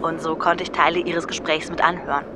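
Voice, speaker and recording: Woman playing an earnest young woman, lowish voice, background noise. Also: flat delivery, fairly quick, lightly acted. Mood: earnest, concerned. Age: young adult. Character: young female model, earnest and concerned for a friend. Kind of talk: German audio drama acting.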